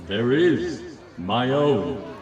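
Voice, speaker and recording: An actor playing a solemn Christmas spirit in a radio play, kindly but stern, speaking in formal, measured phrases. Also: male voice, medium pitch, animated, echoey room, recorded from a distance, lo-fi sound, crowd noise. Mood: calm, kindly. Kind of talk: radio play acting of a Victorian tale.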